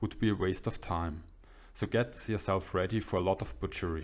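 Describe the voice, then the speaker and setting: A man with a non-native accent speaks at a fairly quick pace with fairly even intonation on a very clean recording with a silent background. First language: not English. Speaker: history YouTuber. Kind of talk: scripted narration. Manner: formal.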